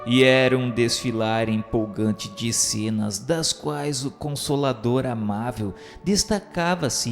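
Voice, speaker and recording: A Brazilian man giving solemn, declamatory narration of a religious radio novel in literary language. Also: mid-range voice. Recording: long reverberant hall sound, music behind. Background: soft instrumental music.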